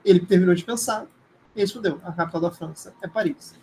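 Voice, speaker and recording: A man's voice: high-pitched, fast talker, dark tone, a little hiss or hum, low-quality recording. A man with a Brazilian accent, a native Portuguese speaker, giving an informal live lecture in a hesitant, conversational way with frequent check-in questions. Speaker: teacher.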